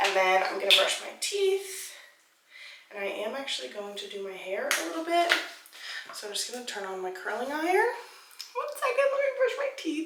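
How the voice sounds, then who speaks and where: At a moderate pace, a woman speaks in an extremely high pitch with very wide pitch swings and big swings in loudness. Long, frequent pauses break up her speech, and audible room echo surrounds it. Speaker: lifestyle vlogger. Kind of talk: vlog narration. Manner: casual, many fillers.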